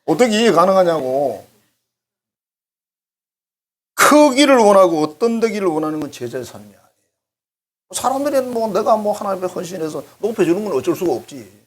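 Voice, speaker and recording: A man's voice: sits high, very animated, fast. A middle-aged male pastor, preaching a sermon in a chatty, joking way and acting out small dialogues. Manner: conversational, joking, acts out little dialogues. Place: church sanctuary.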